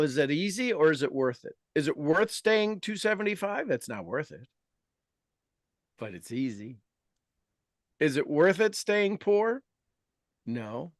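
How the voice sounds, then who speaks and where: A man's voice: a little high, fairly bright tone, no echo, studio quality. A man in his fifties talking in a casual motivational style, emphatic and repeating his key phrases. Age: 50s. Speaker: podcast host.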